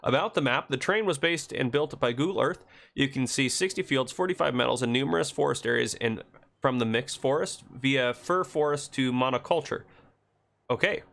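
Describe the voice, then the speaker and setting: Gravelly, congested male host, rambling game commentary. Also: medium pitch, normal speed, a bit bright. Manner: chatty, rambling, self-correcting. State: congested from a cold. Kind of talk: casual gameplay commentary.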